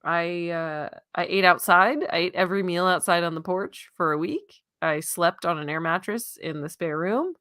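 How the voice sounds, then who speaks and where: A woman co-hosting a podcast, talking in a relaxed, casual way with light laughs. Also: on the low side, normal speed, few pauses, no echo, studio quality. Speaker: podcast co-host. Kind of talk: casual chat.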